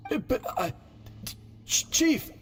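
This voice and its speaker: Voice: slow pace, faint music behind, natural voice. An actor voicing an earnest, defensive yet deferential tribal priest in a video game, stammering and formal. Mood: startled.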